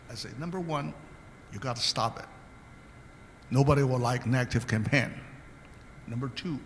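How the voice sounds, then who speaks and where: A man's voice: mid-range voice, slight background noise. An older man from Taiwan, speaking earnestly as a guest on a panel, telling anecdotes with hesitant restarts. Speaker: guest speaker, state commissioner. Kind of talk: panel talk answering questions. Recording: reverberant hall.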